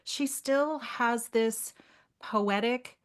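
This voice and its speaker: A woman co-hosting a literary podcast, talking reflectively and articulately in measured, thoughtful phrases. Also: a little high, smooth. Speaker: podcast co-host.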